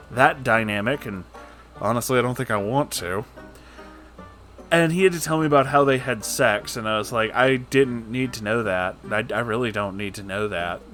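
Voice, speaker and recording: A man's voice: mid-range voice, normal speed, fairly bright tone. Guy host just rambling casually to his viewers, sweary n jokey, mid voice, bit of music behind. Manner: informal, rambling, sweary, joking asides. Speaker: host reading and reacting to stories.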